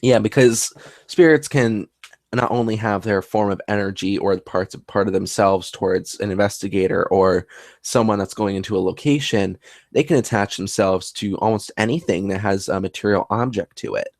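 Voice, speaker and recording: A man's voice: on the low side, moderate pace, a little mellow, no echo, studio quality. A man who works as a paranormal investigator, talking in casual conversation in an earnest, rambling way.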